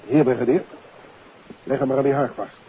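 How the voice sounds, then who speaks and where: A man's voice: mid-range voice, steady tone, fairly quick, natural voice. Vintage crime drama: man as commanding Dutch police inspector, curt, mid register, narrow tinny recording. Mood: brisk, commanding. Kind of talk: 1950s radio play acting. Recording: tinny, hissy 1950s radio recording.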